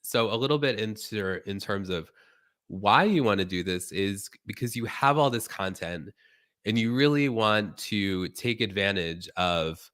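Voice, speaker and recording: Casting note: man with a cold, hoarse and low, sharp tone, chatty live-stream host talking straight to viewers. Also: expressive, measured pace. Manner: chatty, addresses viewers directly. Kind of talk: casual live stream tutorial.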